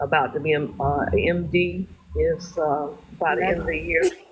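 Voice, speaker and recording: Against noticeable background noise, a woman with a very deep, low pitch speaks at a fairly slow pace. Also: very even loudness. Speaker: caller on political livestream. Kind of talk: call-in discussion.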